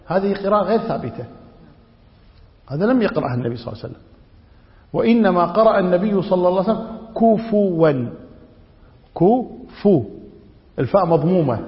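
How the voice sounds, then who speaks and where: A man teaching Islamic law in a classroom lecture, quizzing students and repeating key phrases. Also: high voice. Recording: dull lo-fi audio in a reverberant hall.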